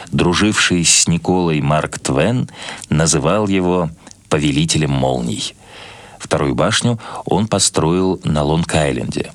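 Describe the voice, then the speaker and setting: Very deep-voiced man narrating literary prose. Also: dry recording. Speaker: narrator, reader.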